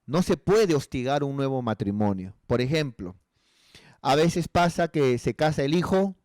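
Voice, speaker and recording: A man's voice: mid-range voice, lively intonation, moderate pace, a little mellow, no echo, studio quality. A male pastor giving pastoral counsel in a conversational sermon, earnestly asking rhetorical tag questions.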